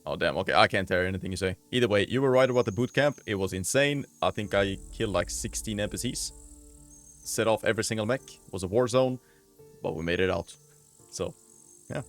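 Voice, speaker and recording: A man hosting a gaming video, giving casual gameplay commentary with excited outbursts and casual slang. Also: on the low side, fairly quick, soft background music.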